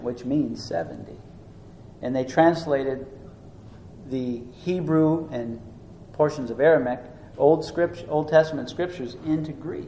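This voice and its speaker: A man's voice: medium pitch, a little mellow. Earnest preacher man in an echoey room. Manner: earnest teaching tone, rising and slowing for emphasis. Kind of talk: sermon. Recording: echoey room with faint noise.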